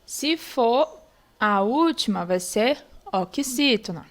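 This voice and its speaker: A woman's voice: on the high side, expressive, takes it slowly. A young woman teaching an online lesson, explaining patiently step by step and checking in often with her students.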